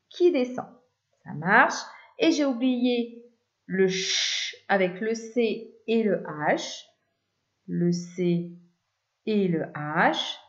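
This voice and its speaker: A woman teaching children to spell two-syllable words, explaining slowly and patiently syllable by syllable. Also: medium pitch. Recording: echoey room, dull lo-fi sound.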